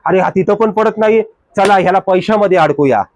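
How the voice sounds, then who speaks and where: A man's voice: high voice, a little fast, darkish tone, a little hiss or hum, natural voice. A man voicing a scheming, resentful male devil who grumbles and plots to himself in a sermon.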